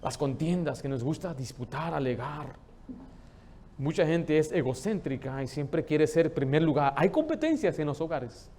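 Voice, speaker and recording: A man, preaching a lively sermon in a church and telling stories with humor. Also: fairly high pitch, normal speed. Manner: lively storytelling, joking with the congregation. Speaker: pastor.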